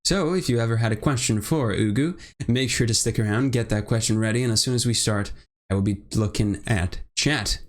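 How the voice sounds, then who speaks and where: The host, a young Brazilian with a British-American mix in his accent, keeps his interview chat casual and wandering. He talks briskly at medium pitch, with few pauses.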